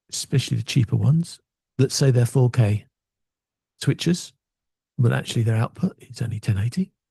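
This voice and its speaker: A man whispers, somewhat breathy, in a dry, close sound with no echo. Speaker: AV technology channel host. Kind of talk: casual tech commentary. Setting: small home studio. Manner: briefly whispering as a joke.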